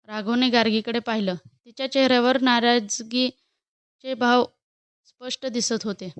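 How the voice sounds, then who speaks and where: Smooth, high-ish woman narrating a storybook. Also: no echo, highs cut off. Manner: steady, expressive reading.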